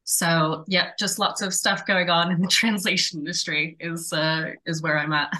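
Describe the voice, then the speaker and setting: Low-voiced woman with a bright, forceful edge; hesitant. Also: level tone, moderate pace. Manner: hesitant, with fillers. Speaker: guest, translation account manager. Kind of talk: casual podcast introduction.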